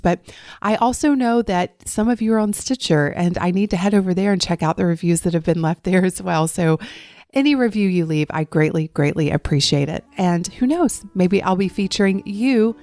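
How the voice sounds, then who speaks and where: A woman hosting her own life coaching podcast, speaking in a warm, effusive and encouraging way. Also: on the low side, no echo, clean studio sound. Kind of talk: podcast monologue. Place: recorded while traveling abroad.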